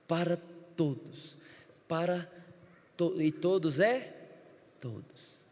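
A man preaching a sermon as pastor, impassioned, telling stories and acting out the dialogue, building to shouted repetition. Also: fairly high pitch, takes it slowly. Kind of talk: sermon with storytelling. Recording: long hall reverb.

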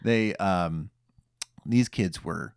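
A man's voice: low-pitched, very slow, gravelly, clear, resonant tone, dry recording. A man co-hosting a podcast in casual chat, with a playful, dry joking manner. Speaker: podcast co-host.

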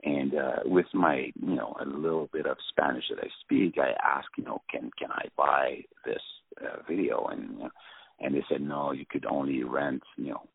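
Very deep gravelly French-accented man. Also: fairly even intonation, dry recording. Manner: halting, many restarts and fillers. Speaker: film director guest. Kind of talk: anecdotal interview chat. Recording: tinny phone-line audio.

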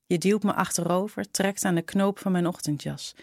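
A woman narrating a short story in a slow, intimate reading style. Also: on the low side, gravelly, dry recording, studio quality. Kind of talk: scripted storytelling.

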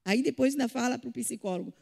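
Lady preaching, high voice with a gravelly edge, big swings loud and soft, reverb from the hall. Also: fast. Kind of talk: sermon.

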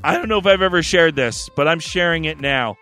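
A man hosting a podcast, telling stories in a profane, animated casual chat. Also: fairly high pitch, a little fast, soft background music. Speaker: podcast host.

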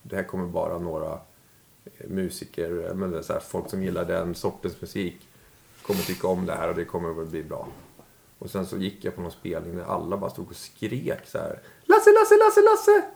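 Deep gravelly man, casual eager interviewer. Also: little pitch movement, a little mellow. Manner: informal, eager, back-channels often.

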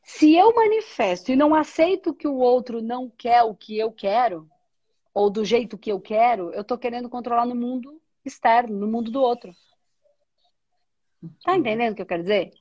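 High, husky-voiced woman teaching spirituality. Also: normal speed, a little mellow, lo-fi sound. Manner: reflective, asks and answers her own questions. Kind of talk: spiritual conversation.

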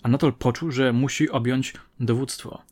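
A man narrating a true-crime story in a measured, dramatic way, letting his phrase ends drop low. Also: fairly even intonation, a little mellow. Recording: faint music bed under the voice.

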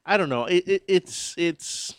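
A man's voice: sits high, expressive, measured pace, no room sound, clean studio sound. An American man co-hosting a talk radio show, joking and sarcastic in casual banter. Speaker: co-host.

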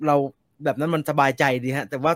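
A man's voice: fairly high pitch, steady tone, fast talker, no room sound, studio quality. A man co-hosting a casual live chat, reading out viewer questions and rambling on between them. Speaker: co-host reading viewer comments.

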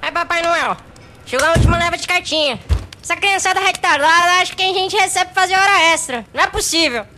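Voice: extremely high pitch, brisk, background noise. A woman voicing a grumpy, overworked Brazilian Christmas elf who complains in sarcastic slang in a comedic amateur radio play. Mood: fed up.

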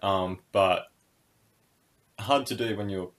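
A man's voice: low voice, slow, a bit bright. A young man co-hosting a casual podcast discussion, speaking thoughtfully and hesitantly with many fillers and restarts. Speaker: podcast co-host.

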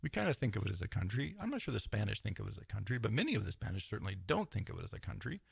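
A man talking through ideas in a rambling, animated lecture style, often tagging points with "right?" and asides. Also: on the low side, racing, vocal fry, breathy edge, no echo. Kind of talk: casual lecture-style talk.

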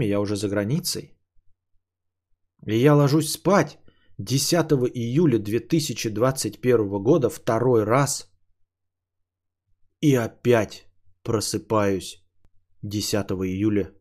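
A man's voice: on the low side, a little slow, long pauses. Musing man in his thirties, cursing. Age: 30s. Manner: musing aloud, swearing, drifts between lively and quiet. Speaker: podcast host. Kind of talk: rambling solo monologue.

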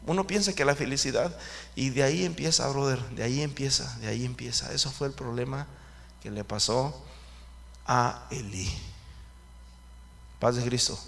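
A man's voice: medium pitch, normal speed, vocal fry, pauses often, a bit bright. A man preaching a fervent sermon who keeps calling out to his listeners as brothers. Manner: fervent, calls out to the congregation often.

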